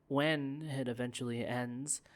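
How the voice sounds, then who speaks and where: A young man voicing a gentle, guarded corporate heir in an ASMR roleplay, speaking softly with stammering restarts. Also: mid-range voice, steady tone, a little slow, natural voice. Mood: wistful. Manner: soft-spoken, hesitant, stammering restarts. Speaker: roleplay performer.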